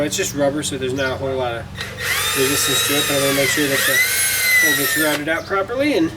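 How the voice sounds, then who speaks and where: A man hosting a casual how-to car tutorial, thinking aloud in a folksy way as he works. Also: fairly high pitch. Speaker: DIY car tutorial host. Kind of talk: casual how-to narration while working. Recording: distant mic, clearly noisy, vehicle ambience.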